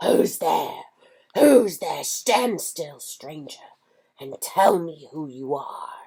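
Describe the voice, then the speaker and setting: Growling and raspy, the put-on character voice moves at a very slow pace. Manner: threatening, demanding.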